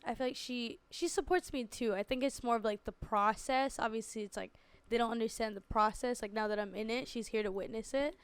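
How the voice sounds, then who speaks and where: Speaking briskly in a clean, high-leaning voice with no echo, a young R&B singer from Canada relaxes into an interview chat as a podcast guest. She laughs readily and fills her speech with "like" and other fillers in the studio.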